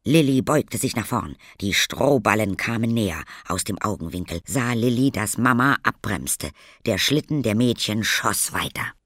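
A man calmly narrating a children's storybook. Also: medium pitch, no room sound, studio quality. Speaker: audiobook narrator.

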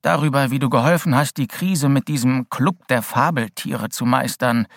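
A man voicing a gruff, bitter old male school headmaster and former policeman who growls his words curtly. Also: mid-range voice, moderate pace, dry recording, studio quality, lightly acted. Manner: growling, curt.

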